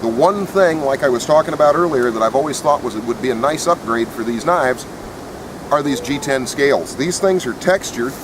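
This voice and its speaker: A man's voice: mid-range voice, animated, moderate pace. Plainspoken man reviewing gear in noisy wind. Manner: plainspoken, opinionated. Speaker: product reviewer. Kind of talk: casual unscripted gear review. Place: outdoors in wind. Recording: windy outdoor recording with clear noise.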